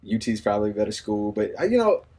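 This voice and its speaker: A man's voice: on the low side, big pitch swings, very fast, dark tone. A man in his forties talking casually in an interview, easygoing and rambling, often saying "you know what I mean.". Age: 40s. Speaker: radio personality and new father.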